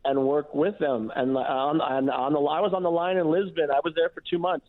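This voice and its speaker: A chef and restaurant owner talks casually as a guest on a radio interview, restarting often and saying "you know" a lot. His voice is a little high and steady, at a moderate pace. The audio comes through as a tinny phone line.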